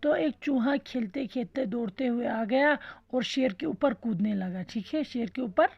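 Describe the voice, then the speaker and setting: A woman's voice: fairly high pitch, a little slow, gravelly, no echo. A woman schoolteacher giving an online lesson to young children. She explains simply, repeats herself, and keeps checking in with "theek hai" while asking questions and answering them herself. The recording is dull and lo-fi.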